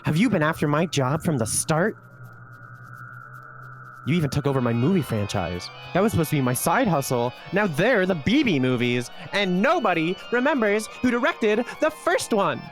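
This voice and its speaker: A man's voice: on the high side, sing-song, normal speed, soft background music, voice pushed up. A man voicing a pompous, aggrieved villainous theater director in a game, with overacted death-scene theatrics. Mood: aggrieved, boastful.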